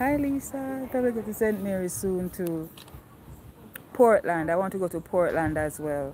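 A woman's fairly low voice with very wide pitch swings, light background noise and a dry sound with no echo. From Jamaica. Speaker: holiday rental host. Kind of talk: casual chat. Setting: restaurant, live stream. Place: street. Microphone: phone near.

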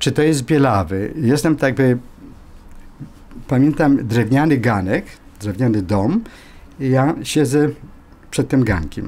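Lively intonation marks this man's very slow delivery, with long, frequent pauses. His loudness stays very even. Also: medium pitch for a man. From Poland, Lower Silesia and Warsaw; Poland. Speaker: retired banker; interview guest. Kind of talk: interview. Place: studio. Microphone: studio mic.

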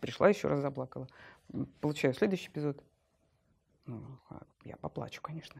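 A woman talks at a fairly quick pace. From Siberia, Russia (Irkutsk, Bratsk); Siberia, Russia. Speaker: actress. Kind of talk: interview monologue. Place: studio.

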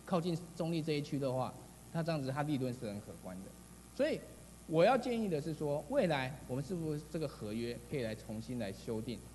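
Over light background noise, a man speaks fairly quickly with lively intonation and a somewhat breathy sound. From Taiwan. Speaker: city councillor. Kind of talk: council interpellation. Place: hall. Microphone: podium.

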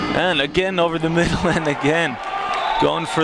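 Loud background noise fills the recording, though the sound itself is dry with no echo. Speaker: sports commentator. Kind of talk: live sports commentary. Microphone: headset.

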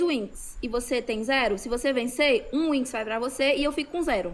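This woman has a high pitch with ordinary variation. She talks at a moderate pace. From Ceará, Brazil. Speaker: streamer. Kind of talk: casual chat. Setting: livestream. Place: home room. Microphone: phone near.

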